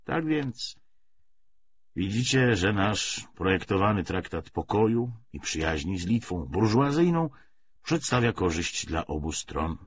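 A man's voice: fairly low pitch, sing-song, unhurried, a little hiss or hum. A man voicing a pompous communist commissar delivering a declamatory political lecture in an audiobook novel. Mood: instructive, calculating. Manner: declamatory, rhetorical, emphatic. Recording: slightly dull, lo-fi audiobook recording.

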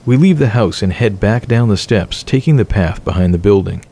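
A man narrates in a calm, measured voice-over, walking the listener through an abandoned house. His voice sits fairly low and has a dark, mellow tone. The delivery is steady and scripted. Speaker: urban exploration narrator.

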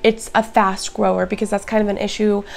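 A woman chatting casually to her viewers in a plant vlog, her voice hoarse and raspy. She is upbeat and talks to the audience directly. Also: medium pitch, little pitch movement, fairly quick, a little mellow, slight background noise. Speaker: plant vlogger. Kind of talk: casual show-and-tell vlog.

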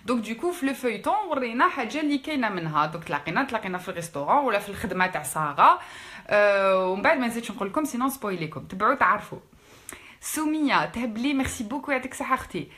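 A young Algerian woman, an actress, chatting fast and casually with fans in a live stream, switching languages. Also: a little high, big pitch swings, fairly bright tone. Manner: quick, chatty, mixing French with Algerian Arabic. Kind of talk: casual live-stream chat reading out comments.

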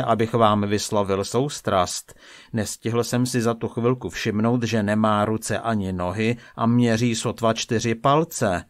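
A man voicing a calm, soft-spoken male painter, speaking lower and slower. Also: close to an everyday voice.

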